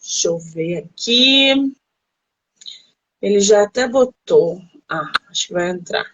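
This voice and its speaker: A woman's voice: mid-range voice, lively intonation, slow, a bit bright, highs cut off. A woman from Rio with a Carioca accent, hosting a casual livestream interview with an author, chatty and full of exclamations. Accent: Carioca Brazilian Portuguese. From Rio de Janeiro, Brazil. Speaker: interview host of a literary livestream. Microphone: phone livestream.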